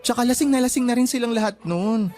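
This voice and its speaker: A man's voice: extremely high pitch, fast talker, a little mellow, faint music behind. Campy, sassy young gay man played by an actor. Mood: confiding, worried. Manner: campy, sassy, gossipy storytelling. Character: flamboyant closeted gay young man, sassy and scheming friend. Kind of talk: radio drama dialogue, colloquial Tagalog with English slang.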